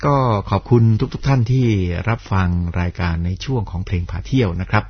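A Southern Thai man hosting a radio chat, talking quickly in a husky voice. He rambles with fillers and restarts and pokes fun at himself. The recording sounds dull and lo-fi. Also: on the low side. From Southern Thailand. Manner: chatty, self-deprecating, full of fillers and restarts. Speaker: radio host.

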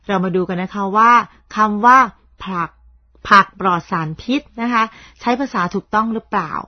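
A woman's voice: medium pitch, no room sound. A middle-aged woman hosting a radio program, chatting politely and informally about word usage, and stopping now and then to remark on her own pronunciation. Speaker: radio host. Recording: slightly dull, dry lo-fi broadcast recording.

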